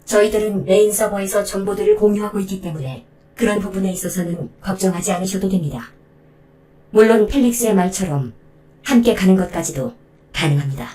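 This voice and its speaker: A woman playing a dutiful android helper in an audio drama, speaking formally, in a measured and unemotional way. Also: mid-range voice, a crowd in the background, natural voice. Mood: calm, formal. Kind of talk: Korean audio drama acting.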